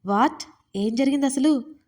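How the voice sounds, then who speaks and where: A short-fused young man , voiced by a woman in a spoken audio story. He snaps out his lines curtly and impatiently. The voice sits a little high with a soft, mellow tone. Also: moderate pace, lightly acted. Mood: irritated. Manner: curt, impatient, demanding. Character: young man, hot-tempered, irritable.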